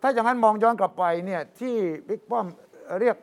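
A man's voice: very high voice, quick pace. A man taking part in a casual political talk show, murmuring agreement and then asking pointed questions. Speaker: political commentator. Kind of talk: casual political analysis chat.

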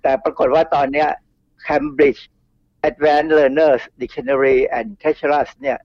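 A man's voice: on the high side, expressive, extremely slow, gravelly, no echo. A middle-aged man, a toxicologist guest on a radio show, explaining in a chatty way with asides and repeats. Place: radio studio. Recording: dull radio studio sound.

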